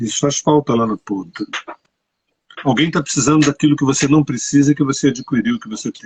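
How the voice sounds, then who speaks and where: A man talks at a fairly quick pace with a fairly high pitch, lively intonation and a somewhat breathy sound. His loudness swings widely, and the sound is dry and close with no echo. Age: 60s. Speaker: spiritual teacher. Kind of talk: casual chat. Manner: animated.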